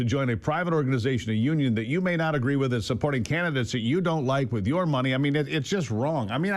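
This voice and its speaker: A man hosting an opinionated political interview, speaking emphatically with rhetorical questions and repeated phrases for stress. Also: medium pitch. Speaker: talk show host.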